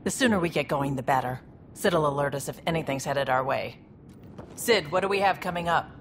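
A woman's voice: low-pitched, a little fast, background noise, natural voice. A woman playing a tough, protective alien mercenary in a video game, speaking in a blunt, scolding, commanding way. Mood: urgent, resolute. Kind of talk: video game cutscene acting.

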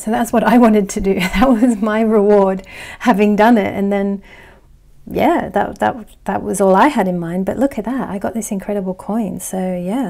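A woman's voice: mid-range voice, vocal fry, warm tone. A woman in her thirties with an Australian accent tinged by American and English, chatting casually to camera from her living room on a lapel mic. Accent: Australian with some American and English. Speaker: astrology channel host. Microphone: clip-on lapel mic.

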